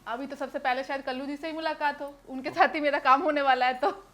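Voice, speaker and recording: A woman's voice: high voice, fairly even intonation, quick pace, fairly bright tone. A young woman from Kolkata, an actress answering interview questions in a chatty way with hesitant fillers and English phrases mixed in. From Kolkata, West Bengal, India.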